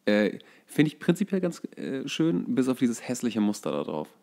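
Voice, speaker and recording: A man's voice: mid-range voice, sing-song, normal speed, creaky, darkish tone. Hesitant man explaining things casually. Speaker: podcast co-host. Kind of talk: casual chat, explaining football.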